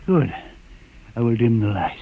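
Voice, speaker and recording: An actor playing an old man who keeps the legend of the ship, reciting it slowly in a 1950s radio drama. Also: mid-range voice, lively intonation, slight background noise, close to an everyday voice. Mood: solemn chanting. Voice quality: slow, chanting delivery. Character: old male keeper of the ship's legend, solemn. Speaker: John the Witness. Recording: tinny 1950s radio broadcast with music.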